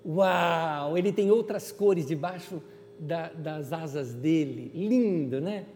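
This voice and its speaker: A man voicing a calm, gentle teacher who softly coaxes a listener to look at nature. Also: a little high, slow, long reverb tail, slight background noise. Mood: coaxing. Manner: soft, coaxing, repeating invitations.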